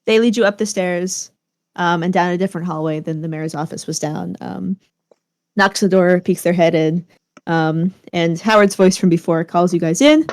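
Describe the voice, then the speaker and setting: A woman's voice: fairly low pitch, moderate pace, darkish tone, no echo, studio quality. An American woman improvising narration as game master in a casual, hesitant, conversational way.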